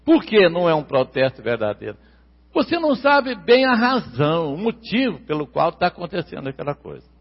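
Husky high-voiced Brazilian preacher, echoing hall. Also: male voice, sing-song. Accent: Brazilian Portuguese. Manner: emphatic, repeats key words, stretches them slowly. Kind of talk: sermon. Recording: long hall reverb, dull lo-fi sound.

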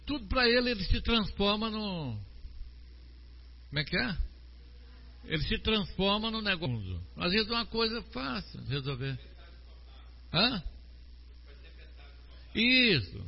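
A man with a Brazilian Portuguese accent preaching a sermon slowly and with emphasis, asking his congregation questions. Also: sits high, big pitch swings, creaky, husky. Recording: long hall reverb, dull lo-fi sound.

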